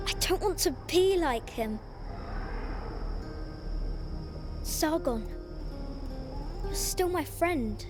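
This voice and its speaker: A woman voicing a troubled, earnest young friend in a video game. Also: high voice. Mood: worried, pleading. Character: troubled young friend afraid of becoming his older self.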